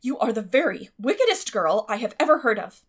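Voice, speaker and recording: A woman's voice: a little high, very animated, brisk. Woman doing a strict older guardian lady for an audiobook, clipped and emphatic, totally exasperated. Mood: angry.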